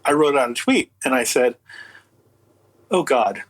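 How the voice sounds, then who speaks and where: A man's voice: medium pitch, unhurried. A man telling a story casually as an interview guest, incredulous and sardonic, acting out the conversations he quotes. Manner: animated retelling with acted-out quotes, incredulous and sardonic. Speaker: interview guest, audio book producer.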